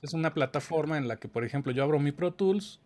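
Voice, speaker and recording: A man's voice: on the high side, expressive, quick pace, a little mellow, a little hiss or hum. A man, teaching in a casual conversation and explaining dubbing work patiently, often checking whether his listener follows. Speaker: audio engineering teacher.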